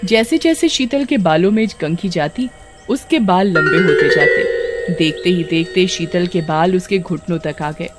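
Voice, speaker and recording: एक औरत बच्चों के लिए एक डरावनी कहानी भावपूर्ण अंदाज़ में पढ़कर सुना रही है।. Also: female voice, lowish voice, unhurried, over music. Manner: expressive storytelling. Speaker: storyteller. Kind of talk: scripted children's story narration.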